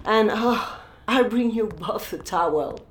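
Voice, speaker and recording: A woman's voice: medium pitch, slow, slight background noise, close to an everyday voice. A woman playing a kindly older baker lady who fusses over her guests, speaking. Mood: fussing. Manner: fussing, warm-hearted, broken English. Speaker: bakery owner. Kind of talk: audio drama acting.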